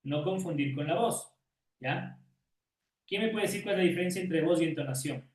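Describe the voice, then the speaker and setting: A man's voice: on the high side, moderate pace. A male teacher giving an online class lecture, often checking in with questions and calling on students by name. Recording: roomy echo, distant from mic.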